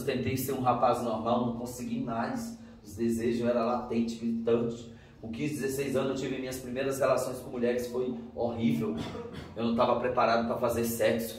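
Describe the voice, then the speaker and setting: A man's voice: medium pitch, flat delivery, normal speed. Brazilian man preaching testimony, roomy distant sound. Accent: Brazilian Portuguese. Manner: dramatic storytelling, acting out dialogue in raised voices. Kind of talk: testimony sermon.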